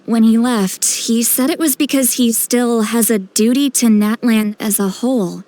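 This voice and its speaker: A woman playing a self-assured, caring female tribal mentor in an anime-style video game, talking in a measured, frank way. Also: on the high side, steady tone, mellow, lightly acted. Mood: confident, explanatory. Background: music.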